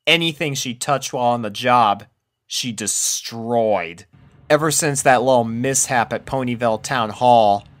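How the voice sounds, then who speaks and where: A man's voice: medium pitch, fairly bright tone. A man reading a scripted story aloud as its narrator. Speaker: fan fiction reader.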